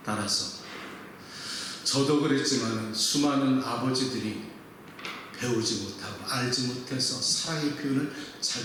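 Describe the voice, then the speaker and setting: Middle-aged male pastor, slightly high voice, earnest and measured sermon, booming church-hall echo. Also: fairly bright tone. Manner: earnest, measured preaching with drawn-out pauses. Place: large church hall, indoors. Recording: very echoey hall reverb, faint noise.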